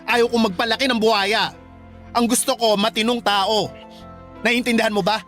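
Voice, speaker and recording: A man's voice: sits high, steady tone, moderate pace, a bit bright, faint music behind. A man playing a flamboyant gay adoptive mother, stern but doting, in a Filipino radio drama, with campy Filipino delivery. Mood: stern, caring. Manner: campy, scolding then tender, slang-heavy.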